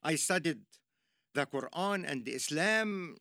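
A man's voice: fairly high pitch, lively intonation, takes it slowly, sharp tone, no room sound, clean studio sound. A man from Egypt with an Egyptian accent, preaching an earnest, emphatic sermon with some self-deprecating humor.

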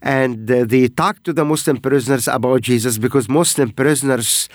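Male host of a ministry program, middle-pitched voice, earnest and halting, dry close sound. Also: no echo. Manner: earnest, halting phrasing with frequent pauses. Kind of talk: broadcast ministry talk, sharing testimonies.

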